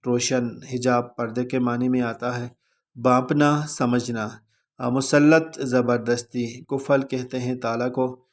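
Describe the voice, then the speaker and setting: A male teacher calmly explaining word meanings in a vocabulary lesson, pausing often with "uh". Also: medium pitch. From Pakistan. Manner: measured, deliberate delivery with frequent "uh" pauses.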